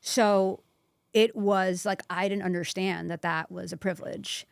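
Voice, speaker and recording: A woman with a New York accent, a native Croatian speaker, telling stories in a lively, brash way as a podcast guest. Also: medium pitch, unhurried, gravelly, smooth, no room sound, clean studio sound. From Astoria, Queens, New York. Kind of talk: casual interview chat.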